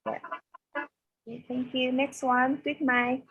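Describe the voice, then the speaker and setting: A woman teaching an online English class, calling on students one by one in a patient, soft-spoken way. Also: high voice, flat delivery, a little slow, breathy edge. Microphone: video call. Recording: dull lo-fi call audio.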